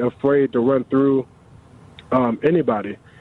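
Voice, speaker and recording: Here is a man with a normal speaking voice at medium pitch. He keeps a moderate pace and fairly even intonation. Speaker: professional football player. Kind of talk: radio interview.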